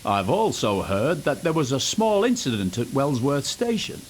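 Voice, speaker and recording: A man's voice: medium pitch, very animated, moderate pace, slight background noise, close to an everyday voice. A man voicing an authoritative, approving older railway director in a children's storybook.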